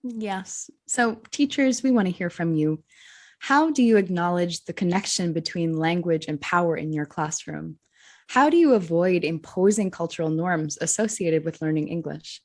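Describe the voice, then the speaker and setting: A woman co-hosting a podcast for English teachers speaks with a Rhode Island accent. She is earnest and reflective and poses rhetorical questions, her voice a touch low. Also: animated, normal speed, darkish tone. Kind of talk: scripted podcast discussion.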